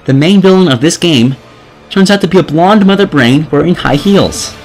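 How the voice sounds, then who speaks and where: A man's voice: on the high side, animated, moderate pace. A man reading scripted video game review commentary in a sarcastic, exasperated manner. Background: music.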